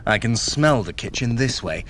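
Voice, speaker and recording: A sly trickster god from an audio drama, acted by a man, haughty and theatrical. His mid-pitched voice swings in lively arcs as he gives orders, over faint noise. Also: lightly acted. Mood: conspiratorial. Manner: haughty, quick-witted, theatrical. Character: sly, smug male trickster god guiding a mortal.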